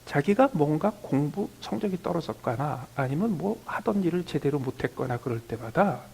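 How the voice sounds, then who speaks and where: A man's voice: gravelly, breathy edge, poor audio. A Korean man in his fifties preaching a sermon as pastor, often dropping to a near whisper on key phrases, then lifting his voice to act out quoted family talk. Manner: acts out quoted family dialogue in a higher, louder voice.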